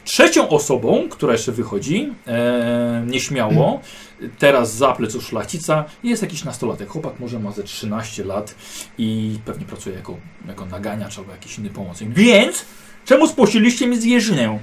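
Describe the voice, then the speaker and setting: Mężczyzna prowadzący sesję RPG jako mistrz gry, luźno opowiadający i często wtrącający „słuchajcie”. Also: male voice, mid-range voice, big pitch swings, moderate pace, slight background noise. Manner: loose, with frequent "słuchajcie" and filler "e". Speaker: game master. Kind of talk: narrating a tabletop game.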